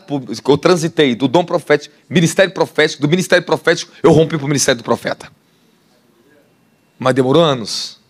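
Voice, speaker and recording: A man with a Brazilian Portuguese accent preaching a sermon, animated and laughing, putting questions to the congregation. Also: on the high side. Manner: animated, asks the crowd questions, laughs often. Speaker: apostle preacher. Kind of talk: sermon teaching.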